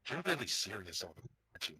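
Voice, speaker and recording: A man playing a tabletop game over voice chat, his voice garbled into a robotic, glitchy sound by a bad mic connection, talking quickly. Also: deep voice, very animated, sharp tone, husky. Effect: robotic, glitchy mic artifacting from a bad connection. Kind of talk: in-character roleplay over voice chat.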